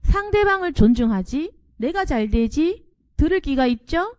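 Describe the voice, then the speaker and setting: A woman's voice: high-pitched, big pitch swings, moderate pace, darkish tone, no echo. A woman pastor preaching a sermon, asking the congregation questions and acting out quarrelsome inner voices.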